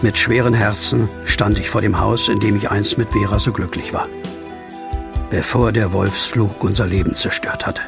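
An actor playing a troubled, grieving widower in a horror radio play, brooding and heavy-hearted. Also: male voice, lowish voice, fairly even intonation, normal speed, vocal fry, music in the background. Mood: somber narrating. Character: troubled, grieving widower just released from asylum. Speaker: lead actor and first-person narrator. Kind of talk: German horror audio drama acting.

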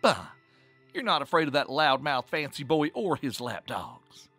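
Man as a steady, protective woman. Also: a little high, husky, no echo, faint music behind, full character voice. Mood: encouraging, teasing. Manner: calm, measured, crooning reassurance. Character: protective, steady Southern woman, tender soothing witch.

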